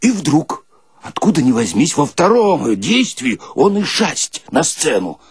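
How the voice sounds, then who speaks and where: A man's voice: a little high, a little slow, breathy edge, dry recording, clean studio sound. A man performing a colloquial comic monologue as a storyteller, with a folksy, theatrical delivery. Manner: folksy, theatrical, animated, breaks into mock singing.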